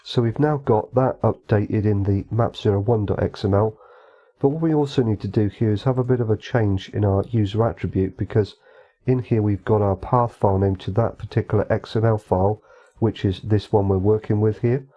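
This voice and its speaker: A man calmly walking through a software modding tutorial, explaining each step methodically. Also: fairly low pitch, normal speed, muffled recording. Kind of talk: screen-recorded tutorial walkthrough.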